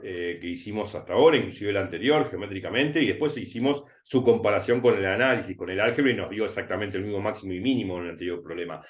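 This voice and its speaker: Argentine man teaching a slow math lesson. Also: medium pitch. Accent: Rioplatense Spanish. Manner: thinking aloud while writing, repeating words slowly. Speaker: math tutor.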